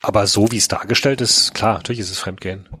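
A man reads a story aloud on a podcast, breaking off for amused, wry remarks. His voice sits a little low and husky. The sound is dry and close. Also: steady tone, fast, pushed and bright, no room sound. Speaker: podcast host. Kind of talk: ironic reading aloud in a casual chat.

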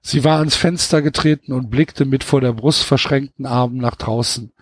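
A man's voice: medium pitch, fairly even intonation, normal speed, dry recording, clean studio sound. A man hosting a podcast, reading a novel aloud and breaking off for mocking comments, stumbling over his words. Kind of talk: casual reading with mocking asides.

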